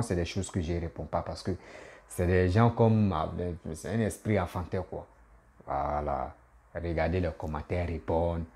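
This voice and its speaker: A man, a comedian talking casually to his followers in an animated, repetitive way, often laughing at himself. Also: deep voice. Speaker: comedian and YouTuber. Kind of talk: casual political commentary vlog.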